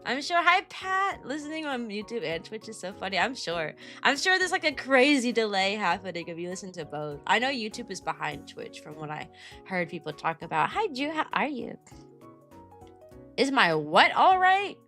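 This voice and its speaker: A young woman streaming and chatting casually with her viewers, her voice raspy and tired from teaching, greeting viewers by name in quick bursts. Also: mid-range voice, big pitch swings, pushed and bright, faint music behind. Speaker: VTuber streamer.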